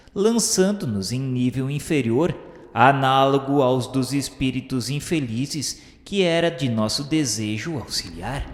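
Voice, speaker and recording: An earnest Brazilian spirit disciple, played by a man, narrates a radio drama in solemn, literary phrases. His mid-pitched voice rings with long reverb. Music plays clearly behind him. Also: lightly acted. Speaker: narrator and protagonist. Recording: echoey hall reverb under prominent music.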